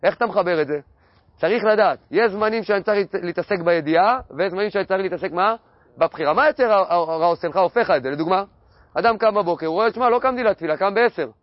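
Man with a high voice for a Torah lesson, asks and answers his own questions, muffled dry sound. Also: dry recording. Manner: poses questions and answers them himself; repeats key phrases in a steady teaching cadence. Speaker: religious teacher.

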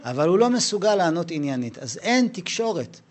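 A middle-aged rabbi giving an informal Torah lesson, his fairly high voice swinging widely as he acts out little arguments. He talks straight to the room in a loose, lively way. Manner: animated, acts out dialogues with raised voice.

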